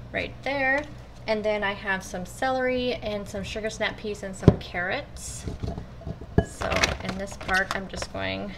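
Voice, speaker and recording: A woman's voice: mid-range voice, very noisy. A woman vlogger talking viewers through her meal prep in a casual, chatty way from her home kitchen. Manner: chatty, addresses viewers as you guys. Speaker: cooking vlogger. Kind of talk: casual step-by-step cooking talk.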